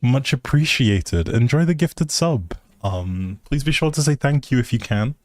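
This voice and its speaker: Man, live streamer, unhurried pace, dry close mic, polite, casual gameplay chat. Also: mid-range voice, lively intonation, no room sound, soft background music. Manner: easygoing, polite, thinking aloud.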